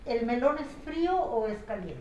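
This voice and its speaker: A woman's voice: fairly high pitch, very animated, normal speed, darkish tone, muffled recording. A woman, explaining didactically and quizzing her listener with questions. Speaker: panel participant. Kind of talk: lively explanatory conversation. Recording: echoey room, distant mic, faint noise.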